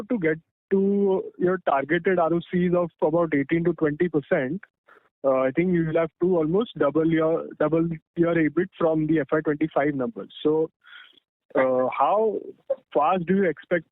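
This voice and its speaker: A man asking careful questions as an analyst on a conference call, heard over a phone line and pausing on fillers as he works through figures. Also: fairly high pitch, no room sound. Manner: methodical, pauses on fillers while working through figures. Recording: tinny dry phone line.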